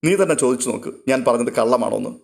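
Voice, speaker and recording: A man's voice: mid-range voice, expressive, quick pace, creaky. A man reading a story aloud and voicing a friendly young man who teases and nudges a younger girl. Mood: teasing. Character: friendly young man, teasing older cousin.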